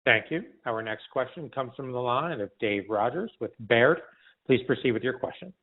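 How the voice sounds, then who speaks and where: Medium-pitched male call operator on phone. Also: animated, normal speed, a little hiss or hum. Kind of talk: scripted, formal call announcements. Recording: narrow phone line.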